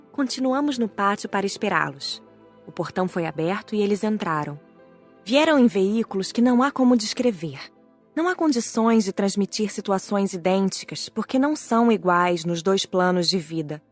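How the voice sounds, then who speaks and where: A woman with a Brazilian accent reading a scripted first-person audiobook narration. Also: medium pitch.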